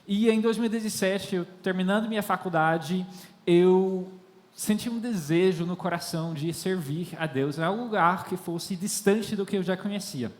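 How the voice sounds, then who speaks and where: High-voiced young man preaching in echoey hall. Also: normal speed. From born and raised in France, Irish parents. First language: not native in Portuguese. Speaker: missionary, guest preacher. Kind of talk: sermon to a congregation, with storytelling. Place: large church hall, speaking to audience. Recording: echoey hall with long reverb.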